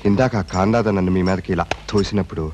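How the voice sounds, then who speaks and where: A man's voice: sits low, fast, darkish tone, a little hiss or hum, lightly acted. An actor playing a polite, earnest young man who speaks respectfully in a film scene. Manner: polite, earnest speeches, addresses others as sir. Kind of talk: film dialogue.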